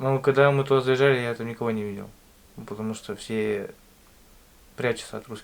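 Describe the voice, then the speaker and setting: A man with a medium pitch talks at a fairly quick pace in fairly even intonation. His loudness swings widely, and he takes long, frequent pauses. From Khabarovsk, Russia. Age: young. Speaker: prisoner of war, soldier. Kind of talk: interview answer.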